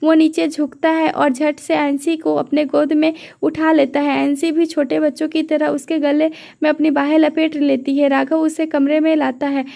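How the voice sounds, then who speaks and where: A woman narrating a romantic audio story in an even storytelling way. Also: sits high, moderate pace, creaky, hardly any pauses.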